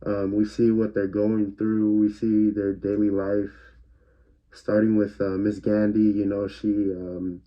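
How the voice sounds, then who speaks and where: A man's voice: on the low side, completely flat delivery, a little slow. A man giving a casual spoken movie review, hesitant and stuttering, with many fillers. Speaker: film reviewer. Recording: dull lo-fi recording.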